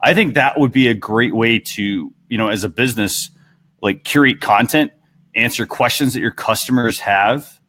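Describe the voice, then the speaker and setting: A man's voice: mid-range voice, moderate pace, fairly bright tone. A man co-hosting a casual panel discussion, explaining his view with some hesitant starts. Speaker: talk show co-host.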